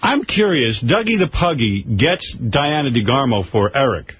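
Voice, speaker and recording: A male radio host with a medium-pitched voice, heard on a slightly noisy lo-fi recording. He banters and probes, readily breaking in with questions. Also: sing-song, moderate pace. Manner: probing, interrupting questioner. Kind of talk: bantering radio talk with callers. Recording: dull lo-fi radio recording with hiss.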